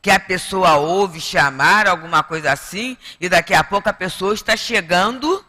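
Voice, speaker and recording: A woman's voice: fairly low pitch, normal speed, bright, forceful tone, big-room sound. A woman with a Brazilian Portuguese accent giving a spiritist lecture to an audience in a chatty way, with many tag questions. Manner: conversational, with frequent tag questions. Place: spiritist center lecture hall.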